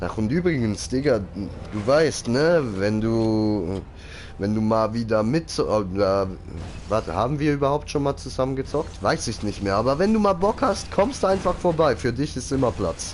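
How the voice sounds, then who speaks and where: In a strong Swiss German accent, a man talks in an animated tone with very wide pitch swings. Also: medium pitch for a man, moderate pace. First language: Swiss German (speaking German). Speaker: gaming streamer. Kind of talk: live stream chat.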